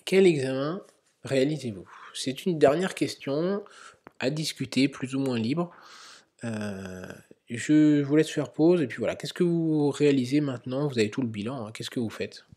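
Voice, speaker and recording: A man's voice: medium pitch, moderate pace, mellow, breathy edge. A man, a medical educator, talking through an emergency-medicine quiz in an explanatory way, with many fillers. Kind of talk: narrated quiz lesson.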